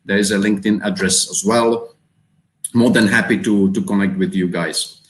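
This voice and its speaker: A man's voice: lowish voice, steady tone, moderate pace. A man from the Czech Republic with a Czech accent, hosting a live webinar and speaking hesitantly with many fillers and repeated words. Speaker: webinar host. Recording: roomy echo.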